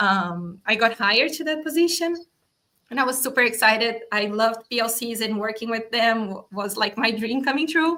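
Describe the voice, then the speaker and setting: A woman speaks in a Brazilian Portuguese accent at a moderate pace, her voice fairly high. Her tone is bright and sharp, with lively intonation. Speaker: automation engineer. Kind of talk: casual chat.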